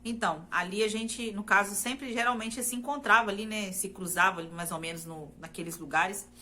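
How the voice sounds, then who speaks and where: A woman's voice: medium pitch, a little fast, bright, forceful tone. A woman from Brazil sharing a personal faith testimony in an earnest, repetitive way, often turning to her listeners directly. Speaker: testimony speaker.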